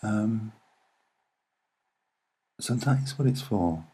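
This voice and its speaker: A soft-spoken man with a husky voice, giving a casual, musing and hesitant commentary as he explains what he sees. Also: on the low side, animated, very slow. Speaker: video narrator.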